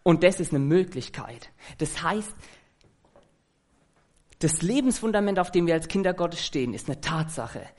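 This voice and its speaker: A man's voice: a little high, lively intonation, moderate pace, pauses often, a little mellow. A man preaching an earnest, conversational sermon that he fills with rhetorical questions.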